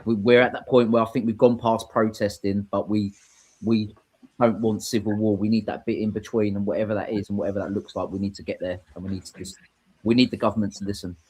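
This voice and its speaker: Guy, lowish voice, rambles about stuff, lots of ums. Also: level tone, quick pace, darkish tone, slightly rough, rough recording. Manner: earnest, rambling, hesitant. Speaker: guest. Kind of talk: casual chat.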